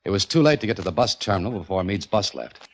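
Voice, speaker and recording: An actor playing a wisecracking detective who also narrates, in a dry hard-boiled way, in an old radio drama. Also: male voice, on the low side, expressive, fast, background noise. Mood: narrating. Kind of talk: 1940s radio drama acting. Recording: dull lo-fi old radio with faint music.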